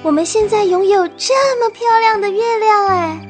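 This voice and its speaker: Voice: very high voice, moderate pace, music in the background. An actor voicing a hopeful young female deer with a cheerful, exclamatory manner in a children's radio drama. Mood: excited, hopeful.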